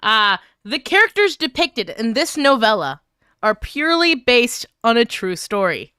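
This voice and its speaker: A woman with a bright, fairly high voice reads fanfiction on a stream in a clean, dry sound. Her pitch moves around a lot, and she comes across as giggly and easily flustered. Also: big pitch swings, a little slow, clear, resonant tone, no room sound. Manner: giggly, flustered, breaking up while reading. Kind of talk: live fanfiction reading with casual chat.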